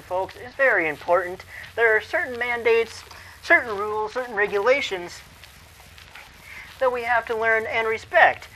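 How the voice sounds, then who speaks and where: A man's voice: sits high, sharp tone, slight background noise, rough recording. A young man hosting a comedy segment, joking with exaggerated emphasis in a small room. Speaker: host.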